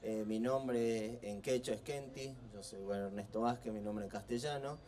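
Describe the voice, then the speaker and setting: A middle-aged writer from Argentina, giving an earnest, halting public talk at a book fair. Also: male voice, mid-range voice, warm tone. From Humahuaca, Jujuy, northwest Argentina. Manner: earnest, slow, halting with many fillers and restarts. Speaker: writer and guest speaker. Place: outdoor plaza at a book fair. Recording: distant outdoor recording.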